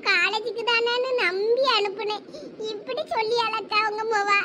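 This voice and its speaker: A frantic village mother in a cartoon, squeaking in a very high voice and pleading in a thick Thoothukudi accent, as a performer plays her. Loud noise hisses under the whole recording. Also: fairly even intonation, moderate pace. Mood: tearful. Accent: Thoothukudi Tamil. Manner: fretful, pleading. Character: anxious village mother, frightened and tearful. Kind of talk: comic village cartoon dialogue.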